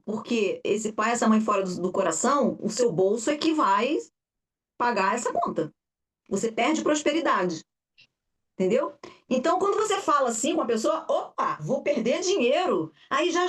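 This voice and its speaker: A woman facilitator giving an informal teaching talk, animated and full of fillers, often acting out her clients' voices. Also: a little high, normal speed. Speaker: family constellation facilitator. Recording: voice distant from the mic.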